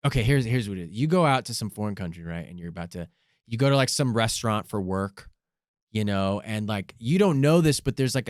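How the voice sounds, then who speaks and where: A man's voice: on the low side, no room sound, clean studio sound. A male podcast co-host in casual comedic chat, rambling as he spins joking hypothetical stories.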